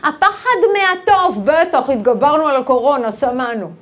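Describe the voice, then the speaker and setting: A woman giving a weekly Torah lesson to women, emotive, moving between soft intimate passages and excited peaks. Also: high voice. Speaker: Torah teacher.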